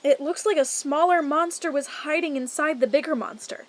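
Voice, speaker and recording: A woman's voice: high-pitched, normal speed, a little hiss or hum, close to an everyday voice. An actress playing a confident, eager young lady knight in an audio fairy-tale comedy. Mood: determined.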